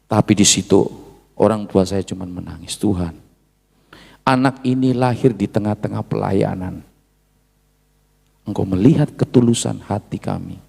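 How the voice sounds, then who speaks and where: A male pastor preaching a sermon, dropping from low murmurs to loud high shouts and slipping into asides. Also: normal speed, gravelly, long pauses, slightly rough. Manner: mixes Indonesian with Javanese asides. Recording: long hall reverb.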